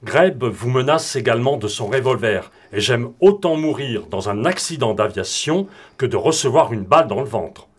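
A man's voice: mid-range voice, expressive, moderate pace, few pauses, breathy edge. A man voicing a frightened male accomplice in a read-aloud adventure story, with an urgent delivery.

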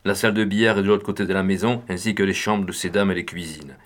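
A man's voice: sits low, fairly even intonation, quick pace, close to an everyday voice. A man voicing a stout, deferential middle-aged butler in an audiobook, formal and polite.

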